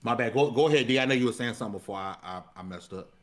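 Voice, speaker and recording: A man's voice: mid-range voice, very fast. A man chatting casually as a panelist on a live gaming show. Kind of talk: casual chat.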